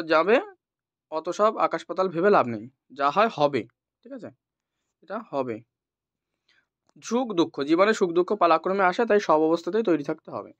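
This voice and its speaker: Man teaching, high-pitched voice, frequent hesitant "ah" fillers, dry dull lo-fi recording. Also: dry recording. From West Bengal. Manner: thinking aloud with frequent "ah" fillers. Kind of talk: explanatory lesson.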